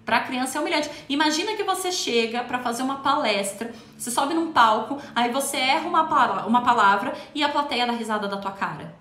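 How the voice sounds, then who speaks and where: A woman's voice: sits high, brisk, hardly any pauses, a bit bright, echoey room, slight background noise. A woman who teaches parenting, talking to viewers in an emphatic way and repeating words for stress. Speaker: parenting educator. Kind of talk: talk to viewers.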